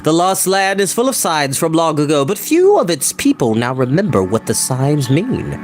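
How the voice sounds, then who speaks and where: Storyteller voicing a soft, enigmatic male guide. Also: mid-range voice, big pitch swings, soft background music, close to an everyday voice. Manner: warm, measured, mysterious. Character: Gwion, warm, enigmatic male guide in a fantasy tale.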